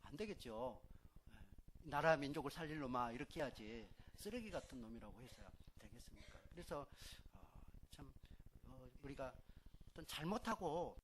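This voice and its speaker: A middle-aged man preaching a Sunday sermon as pastor, with loud stresses that drop to soft endings. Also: mid-range voice, big pitch swings, normal speed, slight background noise. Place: church sanctuary.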